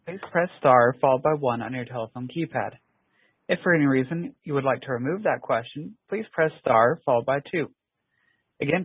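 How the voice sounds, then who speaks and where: Guy call operator reading scripted prompts, slightly high husky voice, thin phone sound. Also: no echo. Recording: thin, dry phone-line audio.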